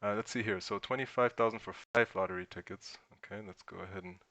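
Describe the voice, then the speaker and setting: Stream host, German-born man, German first language, low and gravelly, thinks aloud while answering the chat. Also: fast, fairly bright tone, dry recording. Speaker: crypto livestream host. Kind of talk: casual livestream Q&A.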